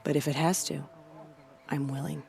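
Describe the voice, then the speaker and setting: A woman playing a stoic, devout tribal warrior in a video game, speaking in a solemn, measured and formal way. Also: low-pitched, level tone, gravelly, darkish tone. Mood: proud, resolute. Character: stoic, devout female tribal warrior commanding a village's defenses. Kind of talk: dramatic video game dialogue.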